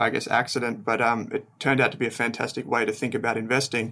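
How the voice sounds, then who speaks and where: A man talks very fast with an Australian accent. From Australia, Melbourne's outer east. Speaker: finance educator and business founder. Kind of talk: interview.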